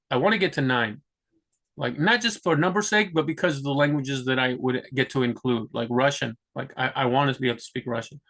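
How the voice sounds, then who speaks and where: A man's voice: a little high, a bit bright. A young man from the US, talking casually about his own plans in a rambling way, with many restarts and fillers. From United States. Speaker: vlogger. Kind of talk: casual talk to camera.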